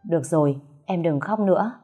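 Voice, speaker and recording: A woman voicing a calm, protective young gentleman who speaks with steady reassurance. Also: lowish voice, fairly quick, husky, soft background music. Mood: soothing.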